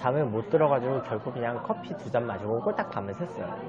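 Against crowd noise in the background, a man speaks at a moderate pace. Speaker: live streamer. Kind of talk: casual vlog chat. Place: cafe. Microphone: earbuds.

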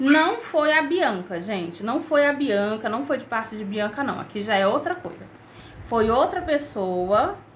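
A woman's high-pitched voice with very wide pitch swings, at a fairly slow pace over light background noise. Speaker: vlogger. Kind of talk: casual vlog chat. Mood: serious, somewhat indignant. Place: home room. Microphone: phone near.

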